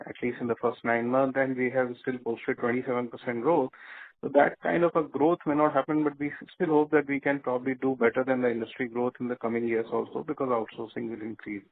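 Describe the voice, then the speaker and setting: A company executive answering an analyst's question at a measured pace, with many fillers and restarts. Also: male voice, medium pitch, dry recording. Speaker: company executive on earnings call. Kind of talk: earnings call answer. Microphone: conference call phone line. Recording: dry tinny phone line.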